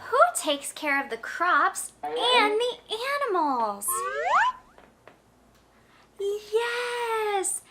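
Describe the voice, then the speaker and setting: A woman hosting a children's lesson, speaking to toddlers in simple phrases with encouraging prompts and pauses for answers. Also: extremely high pitch, big pitch swings, heavy background noise. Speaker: children's educational show host. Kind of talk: toddler lesson, talking directly to young children. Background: music.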